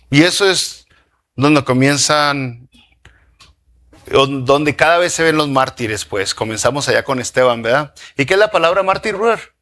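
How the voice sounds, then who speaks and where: A man preaching a sermon as pastor, lively, asking the congregation questions and dropping in slang. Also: medium pitch.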